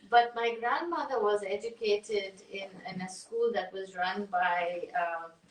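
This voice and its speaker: A woman's voice with big swings in loudness and noticeable background noise. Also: medium pitch for a woman, ordinary pitch variation, fairly slow pace. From India, Calcutta. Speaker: poet. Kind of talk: Q&A discussion after reading.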